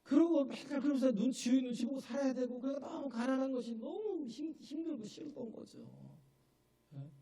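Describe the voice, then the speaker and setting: A male pastor preaching a sermon in a church, emphatic, often checking in with the congregation, building to shouted and tearful peaks. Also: extremely high pitch, brisk, husky. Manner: emphatic, keeps asking the congregation "예?". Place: church sanctuary.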